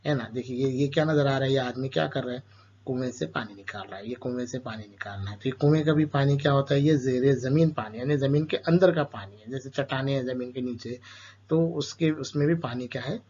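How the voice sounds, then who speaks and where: Teacher asking himself questions, lo-fi. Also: male voice, mid-range voice, brisk, mellow, slightly rough. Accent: Urdu-speaking Indian. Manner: asks questions and answers them himself. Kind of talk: explaining a school chapter to children. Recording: dull lo-fi sound.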